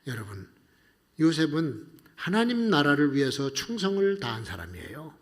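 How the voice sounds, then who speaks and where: A male pastor preaching a sermon, telling the story in an animated way that swings between loud passages and hushed ones. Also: on the high side, moderate pace.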